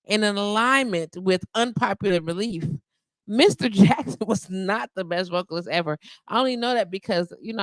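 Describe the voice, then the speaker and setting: A woman's voice: medium pitch, dry recording. A woman in her forties hosting a live radio show, talking casually and rambling with asides and laughs into a studio microphone. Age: 40s.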